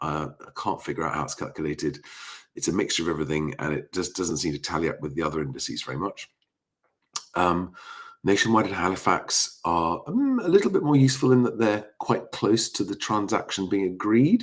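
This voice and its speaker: A man speaks quietly at a fairly quick pace. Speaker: estate agent / property commentator. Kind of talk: livestream commentary. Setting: home livestream. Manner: speaking quietly.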